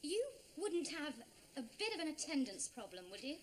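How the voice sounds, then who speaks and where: An actress playing a quick, dry-witted new female teacher, incredulous at what is around her. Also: high voice, big pitch swings, a little hiss or hum.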